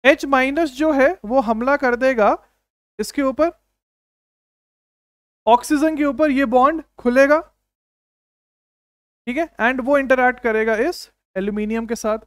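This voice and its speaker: A man with a high, bright-pitched voice runs an energetic exam-coaching chemistry lecture. He keeps firing rhetorical questions at his students and repeats short commands. The sound is dry and close, with no room around it. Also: a little slow, long pauses, clean tone, no echo. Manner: repeats short commands like "don't write, understand". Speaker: chemistry teacher.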